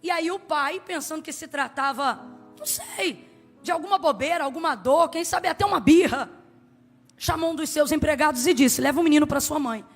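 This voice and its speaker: A woman preaches with a very high voice, emphatic and dramatic, dropping soft and then rising loud. She calls on the congregation to answer her, with faint music underneath. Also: moderate pace. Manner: asks the congregation to respond. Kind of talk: sermon.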